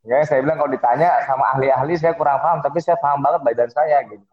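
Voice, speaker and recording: Middle-aged guy rambling on a podcast, husky voice, tinny phone-line sound. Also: fairly high pitch, fairly even intonation, fast talker. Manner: rambling, many fillers and restarts. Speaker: podcast guest, fitness method founder. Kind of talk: casual interview talk.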